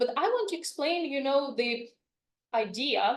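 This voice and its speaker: A woman with a Lithuanian accent talks at a moderate pace. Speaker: university lecturer in translation. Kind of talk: conference presentation. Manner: hesitant, many fillers.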